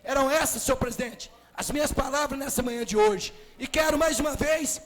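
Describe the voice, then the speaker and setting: A Brazilian city councilman with a Minas Gerais accent giving a forceful, emphatic speech in the council chamber, often raising his voice. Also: very high voice, fairly quick. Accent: Brazilian Portuguese, Minas Gerais. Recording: reverberant chamber with faint music.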